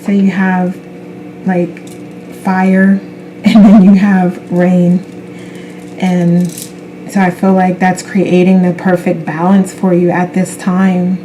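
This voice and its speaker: A woman speaking as a spiritual self-help influencer, giving an unscripted card reading in a gentle, affirming way with unhurried pauses. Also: on the low side, completely flat delivery, a little hiss or hum, low-quality recording. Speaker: tarot card reader.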